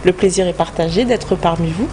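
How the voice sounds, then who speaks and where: A woman's voice: fairly low pitch, a little fast, dark tone, a little hiss or hum. A woman from France with a French accent, answering as an expert guest in a studio interview in a structured, explanatory way. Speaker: guest expert, human resources director.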